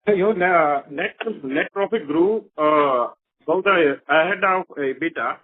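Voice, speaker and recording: A man's voice: fairly high pitch, measured pace. A man calling in with formal questions on a conference call. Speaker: caller asking questions. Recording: narrow, tinny phone line.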